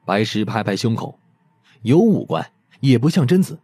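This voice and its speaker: A man narrating a mystery audiobook in an expressive storytelling manner. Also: medium pitch, moderate pace, slightly rough, no room sound.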